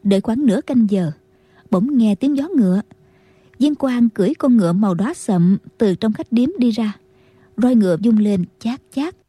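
A woman narrating a martial-arts novel as an audiobook, in a steady storytelling manner. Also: fairly high pitch, moderate pace, slightly rough, no echo.

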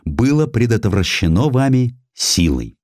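A man voicing an earnest, worldly Russian foreign minister in an audiobook, emphatic and deliberate. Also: mid-range voice, big pitch swings, darkish tone, no echo, clean studio sound, voice pushed up. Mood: grave, urgent. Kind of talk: audiobook character acting.

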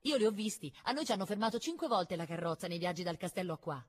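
A woman's voice: on the low side, lively intonation, fast talker, big-room sound, pitched above the performer's own voice. A woman reading aloud and voicing a haughty, teasing little girl with a mocking, imperious manner. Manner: mocking, sing-song, imperious.

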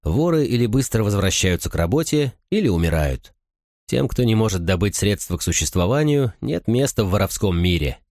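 A man narrating an audiobook in a steady, measured reading style. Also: on the low side, dry recording, clean studio sound. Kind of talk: scripted narration.

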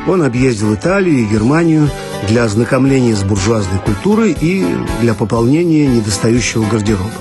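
Over guitar music in an archival radio recording, a man reads funny first-person stories in a mock-earnest, ironic style. His medium-pitched voice is animated and a little fast.

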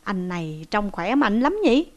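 A woman's voice: medium pitch, very animated, measured pace, lo-fi sound. A woman voicing a shrewd, stern male village headman who speaks in a commanding, scolding way. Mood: courteous.

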